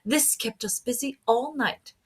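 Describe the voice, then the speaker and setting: A woman's voice: on the high side, unhurried, very noisy, voice pushed up, lightly acted. A woman voicing the proud, huffy violins of a storybook orchestra, prim and self-satisfied. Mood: airy, proud.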